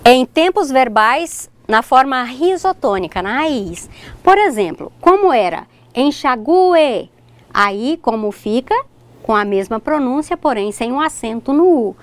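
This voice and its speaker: A middle-aged woman from Brazil, teaching a recorded distance-learning lesson, explaining examples step by step and checking in with her students. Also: sits high. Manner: addresses students directly, points at examples.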